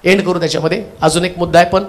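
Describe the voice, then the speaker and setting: A male pastor with a Marathi accent, preaching a Pentecostal sermon and leading the congregation in call and response, at times breaking into shouts. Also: sits high, fairly even intonation, racing.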